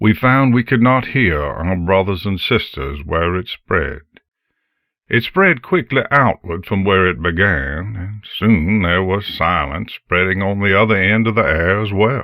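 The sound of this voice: With lively intonation, a man performs a put-on character voice, low in pitch, bright and sharp in tone, at a fairly slow pace.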